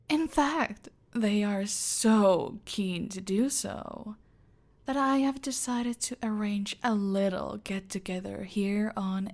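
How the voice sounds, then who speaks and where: A woman voicing an imperious female cartel boss in an audio roleplay, speaking slowly and measured, often in a whisper. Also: medium pitch, gravelly. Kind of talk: ASMR roleplay.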